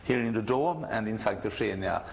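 A middle-aged Swedish man, a church musician, answering interview questions in halting, non-native English with a Swedish accent, often searching for words. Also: on the low side, lively intonation, gravelly. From Sweden.

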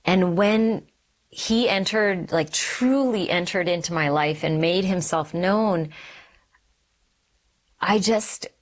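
A woman in her forties from Canada, an OB-GYN physician, telling her faith story in an interview in an earnest, reflective, measured way. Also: on the low side.

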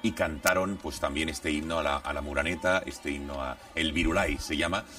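A man's voice: extremely low pitch, fairly even intonation, fairly quick, bright, forceful tone, distant mic. A man from Catalonia with a Catalan accent, hosting a talk show discussion and speaking in long, winding sentences. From Catalonia, Spain. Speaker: host.

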